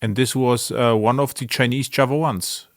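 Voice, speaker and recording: A man hosting a casual interview podcast, speaking in a halting way with non-native English phrasing. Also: mid-range voice, steady tone, no room sound, clean studio sound. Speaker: podcast host.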